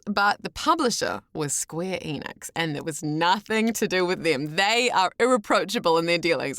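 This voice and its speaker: A woman's voice: medium pitch, no echo, studio quality. A young adult woman with a New Zealand accent, talking candidly and expressively as a guest in a casual podcast conversation. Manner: candid, expressive, wordy with self-corrections. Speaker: guest, voice actor.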